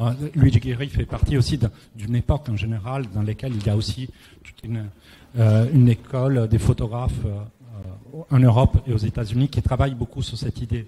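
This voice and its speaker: Talking at a fairly quick pace broken by long, frequent pauses, a man with a medium-pitched, dark, mellow, somewhat breathy voice keeps fairly even intonation while his loudness swings widely. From Italy. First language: Italian (speaking French). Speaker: photographer. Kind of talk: panel discussion. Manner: halting, many hesitations.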